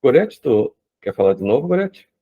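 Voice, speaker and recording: A man's voice: medium pitch, big pitch swings, normal speed, breathy edge. A man leading a casual group discussion over a video call, talking conversationally with frequent tag questions. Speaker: study group leader. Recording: tinny phone-like line.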